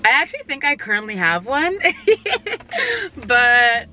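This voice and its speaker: A young woman in her twenties talks straight to her followers with a bright, forward tone. She jokes, fills her talk with "like", and overshares. Faint noise sits under her voice. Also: on the high side, wildly swooping pitch, measured pace. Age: 20s. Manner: playful, laughs often, jokey and oversharing; bursts into loud exclamations. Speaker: vlogger answering viewer questions. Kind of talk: casual Q&A chat to camera.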